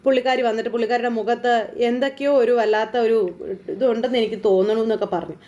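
A woman's voice: fairly high pitch, steady tone, very fast, dark tone. A woman casually retelling the plot of a TV serial in a chatty way. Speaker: serial recap narrator. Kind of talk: casual story recap.

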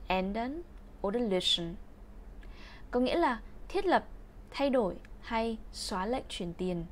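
Slow, clear woman teaching vocabulary. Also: a little high. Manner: reads example sentences slowly and repeats them. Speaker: language teacher. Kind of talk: bilingual vocabulary lesson.

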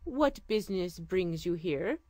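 A woman's voice: on the low side, expressive, unhurried, mellow, no echo. A woman voicing a grand, commanding male sultan in a regal, declaiming manner.

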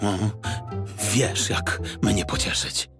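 Mężczyzna jako zrzędliwy, speszony detektyw. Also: male voice, on the low side, slow pace, creaky, music in the background. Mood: indignant. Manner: hesitant, stammering. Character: grumbling, easily flustered male detective. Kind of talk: children's audiobook character voice.

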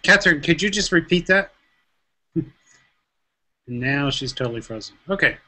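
A man's voice: a little high, expressive, moderate pace, sharp tone. A middle-aged man hosting a video call discussion, friendly and chuckling, with hesitant restarts. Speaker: host.

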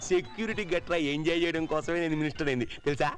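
An actor playing a vain, boastful minister who loves pomp and bosses people around, in a film comedy. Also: male voice, a little high, rapid-fire, over loud music, lightly acted. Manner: boastful, bossy, mocking. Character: vain showy male minister, loud and boastful.

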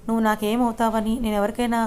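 A woman voicing a defiant young female student in a read-aloud story, speaking quickly and fiercely. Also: fairly high pitch, level tone, a little mellow, close to an everyday voice.

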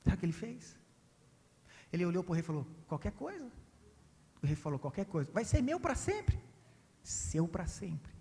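High-voiced Brazilian pastor, echoing church. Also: male voice. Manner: animated, swinging between loud and hushed. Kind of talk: storytelling sermon. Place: church sanctuary. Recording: reverberant church hall.

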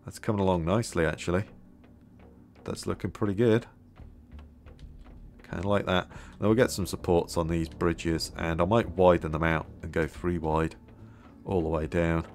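Hoarse deep-voiced man gaming. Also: moderate pace, long pauses, faint music behind. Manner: relaxed, musing aloud, many fillers. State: hoarse, losing his voice. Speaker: gameplay video host. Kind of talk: casual gameplay commentary.

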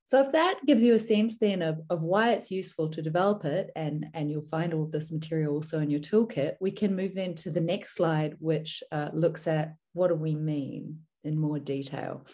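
A woman with a New Zealand accent giving an explanatory seminar presentation in a measured, didactic manner. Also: low-pitched, mellow. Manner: measured, didactic, poses rhetorical questions.

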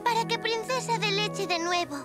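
A woman voicing an earnest, determined, kind little mountain girl in an animated series, speaking eagerly. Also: very high voice, normal speed. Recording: loud music behind the voice.

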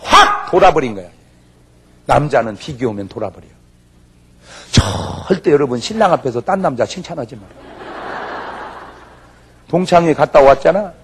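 A man's voice: fairly high pitch, moderate pace, pauses often, slight background noise. A man, preaching a humorous revival sermon and acting out the people in his stories. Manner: animated storytelling, acts out characters and shouts. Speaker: pastor.

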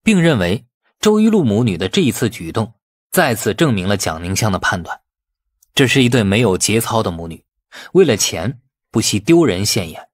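A man's voice: lowish voice, big pitch swings, normal speed, no echo, clean studio sound. A man narrating a novel as a dramatic scripted audiobook.

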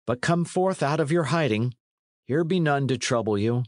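A man's voice: mid-range voice, lively intonation, moderate pace, no room sound, clean studio sound, voice pushed up, lightly acted. A man voicing a blunt, kindly young adventurer in a storybook, with hearty archaic speech. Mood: brisk, frank. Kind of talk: storybook character reading.

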